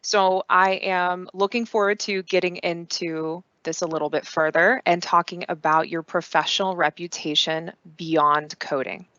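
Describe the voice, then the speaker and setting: A woman in her thirties giving a conference talk online, with steady, clearly paced delivery. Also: lowish voice, normal speed, few pauses, dry recording. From United States. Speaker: conference speaker. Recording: dull lo-fi dry sound.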